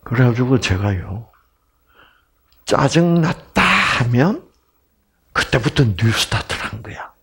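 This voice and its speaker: An older Korean man gives a lively, rambling health lecture full of personal stories, speaking slowly in a gravelly, husky voice that swings widely in pitch. Chatty and animated, he uses frequent fillers and keeps turning to check in with his listeners.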